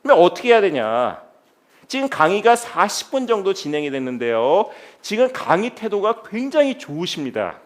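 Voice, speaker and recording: A middle-aged man, a philosophy teacher, giving a lively lecture to a studio audience and often putting rhetorical questions to them. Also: high-pitched, moderate pace. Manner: animated, keeps asking the audience rhetorical questions.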